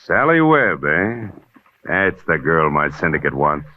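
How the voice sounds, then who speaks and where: A smug newspaper columnist who needles and insinuates. His voice is very low. It sounds thin and phone-like, with a faint hiss, as on an old radio broadcast. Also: very animated, measured pace, heavily acted. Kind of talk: 1940s radio acting.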